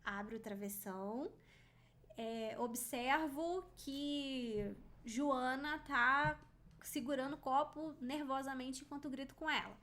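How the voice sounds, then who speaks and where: A woman's voice: high-pitched, slow, fairly bright tone. A woman giving a casual writing lesson, critiquing a story on screen and reading passages aloud in a chatty, informal way.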